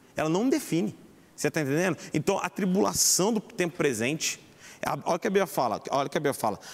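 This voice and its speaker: Very fast, animated speech from a man, high-pitched for a man, with very wide pitch swings. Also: very even loudness. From Brazil. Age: 30s. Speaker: pastor; preacher. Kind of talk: sermon. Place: church. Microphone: lapel.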